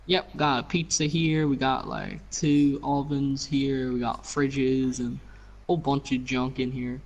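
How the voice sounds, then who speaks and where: A man casually narrates a tour of his game build for other players over voice chat, and the recording is low quality. His medium-pitched voice stays level and unhurried as he rambles with lots of fillers and "you know".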